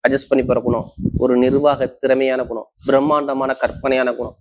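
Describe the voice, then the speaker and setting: A man speaks in a medium-pitched voice. He presents like an astrologer addressing viewers, stressing each point. His phrases come in short bursts, often repeated and stacked into lists. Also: level tone, brisk. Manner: emphatic, repetitive, listing points in short bursts. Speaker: astrologer presenting horoscope forecasts. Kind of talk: monthly horoscope talk to camera.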